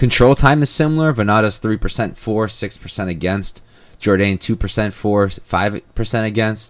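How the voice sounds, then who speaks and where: A man speaks at a moderate pace in a plain, everyday voice with fairly low pitch. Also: ordinary pitch variation. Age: 20s. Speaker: podcast host, MMA fight analyst. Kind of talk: solo podcast, fight breakdown and betting picks. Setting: home recording, livestream with chat. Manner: casual, with filler words and self-corrections.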